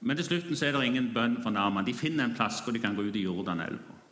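A man's voice: medium pitch, expressive, fairly bright tone, echoey room. A male preacher vividly retelling a story in a sermon and speaking directly to his listeners.

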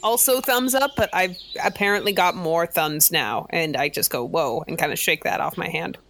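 A woman's voice: fairly low pitch, normal speed, fairly bright tone. Playful woman playing a tabletop game. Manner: playful, giggly. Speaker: player.

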